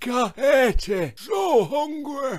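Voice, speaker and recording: Using a put-on character voice, a man shouts at an extremely high pitch. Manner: yelling, demanding.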